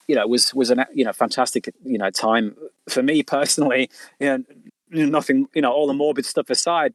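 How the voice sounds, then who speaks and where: A man's voice: medium pitch, no room sound. A middle-aged man chatting casually as an interviewed author, telling things in a rambling way with stammered repeats. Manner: rambling storyteller with frequent stammered repeats and "you know".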